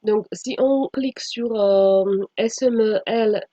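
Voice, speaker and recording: A woman giving a slide presentation as a teacher trainer, speaking haltingly with frequent pauses and sometimes reading aloud. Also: medium pitch, warm tone. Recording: dull, echoey room sound.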